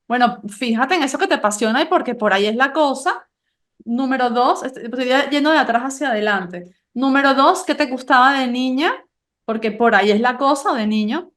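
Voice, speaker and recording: A woman podcast host, asking questions and telling stories in an animated, conversational way. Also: high voice, a little fast. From Venezuela. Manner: warm, animated storytelling with laughs.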